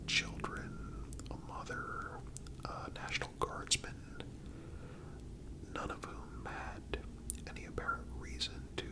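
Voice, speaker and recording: A man whispers throughout in a breathy, voiceless tone. He reads scripted ASMR narration very slowly, in measured phrases separated by frequent pauses. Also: very high voice, rough recording.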